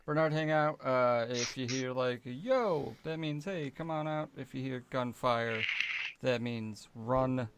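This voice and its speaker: A man's voice: mid-range voice, slow, crowd noise. A man talking casually as a player in a tabletop roleplaying game. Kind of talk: casual chat in game play.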